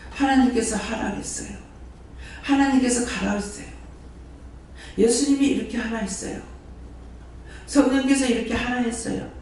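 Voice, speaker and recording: A man's voice: extremely high pitch, a little mellow. A man preaching a sermon as prayer house director, firing repeated rhetorical questions at the congregation. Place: church hall. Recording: very echoey hall, voice from far off, faint noise.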